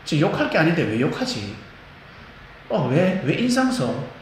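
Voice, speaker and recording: A man voicing a chatty guardian angel who gossips about the person it protects, in a lowered, conversational voice. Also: big pitch swings, measured pace. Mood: amused chatter. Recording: echoey church hall, faint noise.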